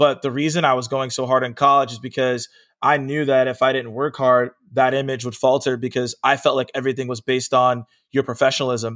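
A medium-pitched man at a very fast pace, his intonation flat and monotone. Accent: American. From US South, Atlanta, Georgia. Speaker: sales trainer. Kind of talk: interview. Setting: remote call.

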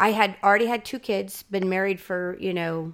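A woman with a normal speaking voice talks at medium pitch with ordinary pitch variation. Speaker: podcast host. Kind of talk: casual interview chat.

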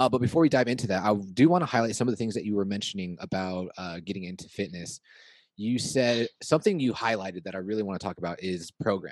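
Talking at a very fast pace, a man with a fairly low pitch shows ordinary pitch variation. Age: 30s. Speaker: podcast host, fitness coach. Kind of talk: casual interview.

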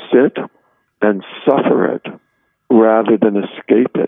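This is a man's voice. His pitch is medium. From New York. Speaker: deacon and theologian. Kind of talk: phone interview. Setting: phone call.

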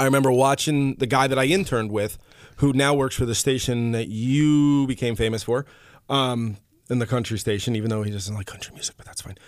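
At a fairly quick pace, a man with an American accent talks at medium pitch, with ordinary pitch variation and big swings in loudness. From US Northeast, Albany NY capital region. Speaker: radio host. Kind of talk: casual chat. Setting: studio.

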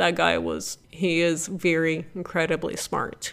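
On a very clean recording with a silent background, a woman with a Portuguese accent talks at a fairly low pitch and a fairly slow pace. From Brazil. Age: 30s. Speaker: podcast host. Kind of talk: solo storytelling monologue.

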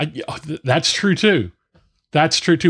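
A fairly high-pitched man talks with lively intonation and vocal fry. The sound is dry and close with no echo, on a very clean recording with a silent background. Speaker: podcast host, leadership professor. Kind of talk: casual chat.

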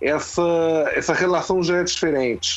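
Against noticeable background noise, a man with a high pitch speaks at a fairly slow pace. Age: 40s. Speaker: filmmaker. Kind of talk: casual chat.

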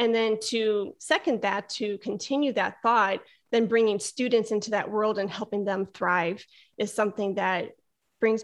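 A plain, everyday voice from a woman with an American accent, fairly high in pitch, at a moderate pace with fairly even intonation, against a quiet background. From Chicago, US Midwest. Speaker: flutist, music mentor and educator. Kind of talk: interview.

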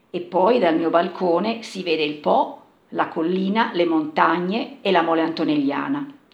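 A woman with a fairly low pitch, a fairly slow pace, and lively intonation, with audible room echo. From Turin, Italy. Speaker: neighbourhood resident. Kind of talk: personal testimony.

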